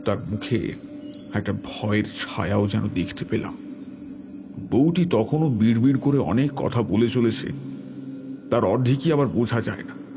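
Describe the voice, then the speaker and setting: A man narrating a scripted horror tale in the first person, with measured, literary storytelling. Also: on the low side, expressive, background noise.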